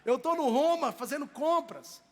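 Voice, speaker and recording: A male pastor with a Brazilian Portuguese accent from Minas Gerais preaches a sermon in a very high voice. He talks to the congregation in a conversational, storytelling way. His words ring out with the long reverb of a church sanctuary. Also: lively intonation, moderate pace.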